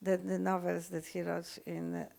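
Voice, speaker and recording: An older woman with a Polish accent, lecturing unscripted, halting often with fillers and restarts. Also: lowish voice, flat delivery, gravelly, a little mellow. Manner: hesitant, many fillers and restarts.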